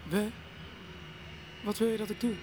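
A woman's voice: mid-range voice, fairly even intonation, normal speed, background noise, close to an everyday voice. An actress playing a bewildered young trans woman in an audio drama, frightened and questioning. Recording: loud music bed under dialogue.

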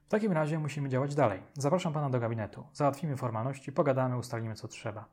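A man voicing a cheerful, reassuring young doctor in an audiobook, with brightly raised tone. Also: mid-range voice, very fast, lightly acted. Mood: cheery. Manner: upbeat, reassuring. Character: cheerful young male doctor, soothing and optimistic. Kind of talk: audiobook character voice.

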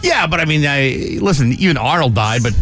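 A man speaks as a morning show host in a radio studio. His delivery moves between station announcements and easy conversation, with music clearly playing behind him. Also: a little high, expressive, brisk, a bit bright.

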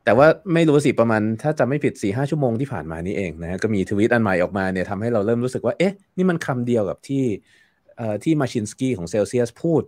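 Here a guest commentator chats in a casual interview, explaining at length and frequently using fillers and repeated words. His medium-pitched voice is animated, fast and darkish, captured in a dry recording.

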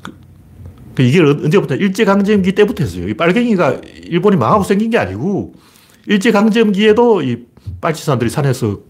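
A man's voice: sits high, big pitch swings, a little fast, darkish tone, breathy edge. A man giving a casual, rambling commentary monologue in a blunt, opinionated way with folksy asides.

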